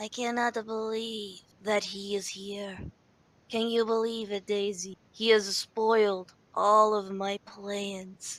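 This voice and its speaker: In a put-on character voice, the speaker talks at a fairly slow pace with monotone, flat intonation. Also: woman, medium pitch for a woman. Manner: indignant, scheming.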